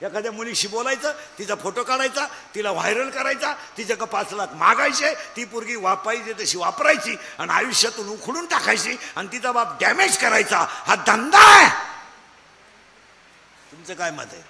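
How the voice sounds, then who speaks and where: Man, comic kirtan sermon, scolding crowd banter, very high voice, long echo of a hall. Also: animated, a little fast, creaky, hardly any pauses. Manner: scolding, bantering with the crowd, shouting and singing at peaks. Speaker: kirtan preacher. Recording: echoey hall with faint background noise.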